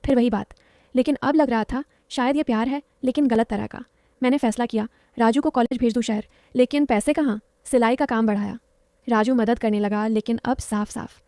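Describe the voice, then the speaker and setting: A woman's voice: fairly high pitch, fairly even intonation, normal speed, darkish tone, no room sound, clean studio sound. A woman narrating a story in the first person, in a confiding, dramatic way.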